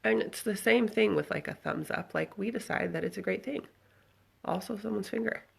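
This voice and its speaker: A woman's voice: medium pitch, moderate pace. A woman with a scratchy voice telling a story and giving reflective advice casually to followers on a handheld phone. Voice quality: scratchy, husky voice. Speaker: vlogger speaking to followers. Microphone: handheld phone at arm's length.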